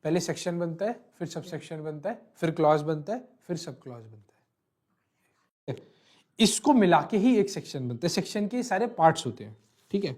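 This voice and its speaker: A man lectures online through a legal text in a fairly high, animated, slightly mellow voice at normal speed. He explains in Hindi with English legal vocabulary, repeating phrases and often confirming with "thik hai."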